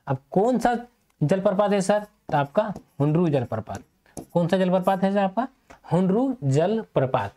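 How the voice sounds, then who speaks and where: A man's voice: sits high, a little mellow. A male teacher giving an exam-prep lecture, asking and answering his own questions and repeating key points so students remember them.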